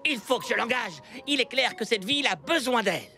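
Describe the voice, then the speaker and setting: A bossy, excitable cartoon lady with a high, bright voice. She delivers everything dramatically and emphatically. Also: a little fast. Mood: thrilled. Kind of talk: French animated series dub.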